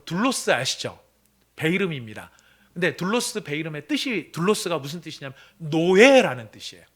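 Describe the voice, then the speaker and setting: A man preaching a sermon as senior pastor, dramatic, dropping to hushed whispers and rising to loud outbursts. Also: fairly high pitch. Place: church sanctuary.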